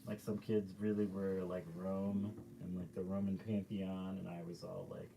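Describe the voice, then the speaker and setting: A man's voice: low-pitched, flat delivery, moderate pace, vocal fry, background noise. A man, a painter hosting a live stream from his art studio, chatting casually and rambling through loose stories with lots of fillers as he paints.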